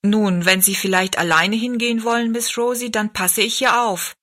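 Earnest storybook boy helper, deferential and direct, bright tone, read by a woman. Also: mid-range voice, moderate pace, lightly acted. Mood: earnest, helpful. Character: helpful, deferential lad at a travelling fair. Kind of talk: storybook narration.

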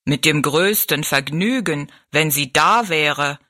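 A woman voicing a tall, thin, dignified male giant from a fair show, who talks slowly in a courtly, regretful way. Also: low voice, dry recording, clean studio sound, voice pushed down, heavily acted. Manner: slow, courtly and gently regretful.

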